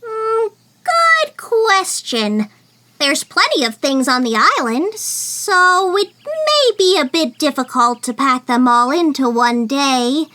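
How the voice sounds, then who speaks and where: A woman's voice: high-pitched, sing-song, slow, bright, forceful tone, full character voice. A woman playing a peppy, helpful young female monkey tour guide in an audio drama. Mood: thoughtful. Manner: cheerful, explanatory. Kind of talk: audio drama character acting.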